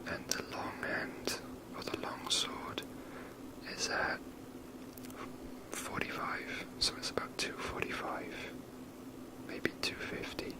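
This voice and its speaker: A person whispering softly and breathily in a casual, rambling ASMR commentary while playing a video game. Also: slow, rough recording.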